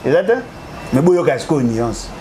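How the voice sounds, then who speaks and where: Speaking slowly in an expressive mid-range voice, a man who comments on politics lectures his way through a heated debate. He insists he can't be contradicted and mixes French with Lingala over background noise.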